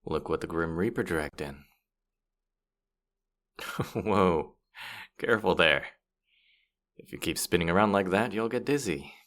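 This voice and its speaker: A low-voiced, impish male spirit of the afterlife, acted by a man in a fantasy audio drama. He teases and boasts theatrically, swooping freely up and down as he offers mock sympathy. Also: animated, measured pace, pauses often, a bit bright. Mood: amused teasing. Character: playful, boastful male disembodied afterlife trickster spirit guide. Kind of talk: scripted fantasy audio roleplay acting.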